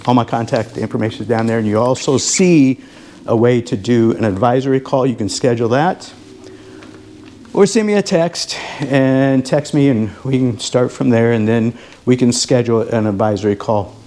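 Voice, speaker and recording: Male voice, medium pitch, real estate advisor, informal home tour vlog, salesy, speaking straight to the viewer. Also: moderate pace, warm tone, a little hiss or hum. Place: inside a model home.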